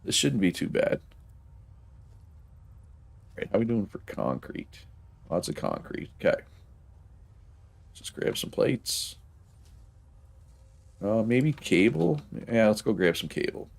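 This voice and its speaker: Gravelly low-voiced man, stuffed up. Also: big pitch swings, slow pace, long pauses. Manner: thinking aloud, chuckling, self-correcting. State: stuffed up nose. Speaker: streamer playing a factory-building game. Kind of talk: casual gameplay commentary.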